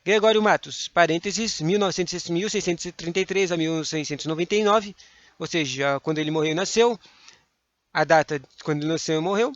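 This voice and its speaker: A man teaching a grammar lesson for exam prep with a Brazilian Portuguese accent, reading examples aloud with lively emphasis and mumbling quiet asides. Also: fairly high pitch, brisk, no echo, muffled recording.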